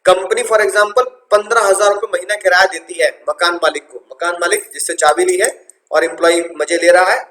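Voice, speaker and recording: A high-pitched man lectures on tax with playful energy, repeating key terms and throwing questions at his class. His voice rings around an echoey room. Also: fairly even intonation, moderate pace, fairly bright tone. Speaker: tax teacher.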